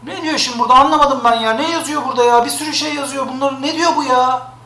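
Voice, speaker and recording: High, bright-voiced man ranting on stream. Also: fast talker, roomy sound. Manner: exasperated, complaining, repeats himself. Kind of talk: live stream rant.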